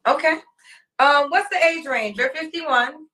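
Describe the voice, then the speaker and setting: A woman hosts a casual interview, teasing her guest and pressing for answers. Her voice sits high and bright. She sounds a little away from the mic. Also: measured pace, distant mic. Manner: teasing, probing questions. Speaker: podcast host.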